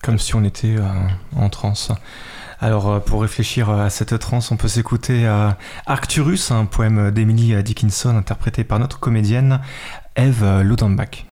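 A man hosting a radio interview who introduces segments and asks questions, often filling pauses with "euh". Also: lowish voice, fairly even intonation, mellow. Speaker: radio host.

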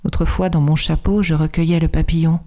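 An actress reading a poem aloud as a wistful female narrator, with a measured, expressive delivery. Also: low voice, natural voice. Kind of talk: poetry reading.

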